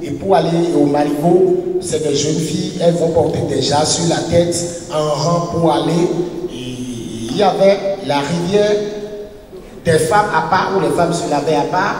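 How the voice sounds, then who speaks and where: Man lecturing in a second language, hesitant and restarting, fairly high voice, echoey hall, mic far off. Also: a little mellow, slight background noise. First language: a local language, not French. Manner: halting, searching for words with many restarts and fillers. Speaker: university professor and historian giving a lecture.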